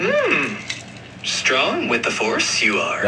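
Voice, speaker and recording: A put-on character voice over loud background noise. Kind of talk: inverted word order. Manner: wise, halting.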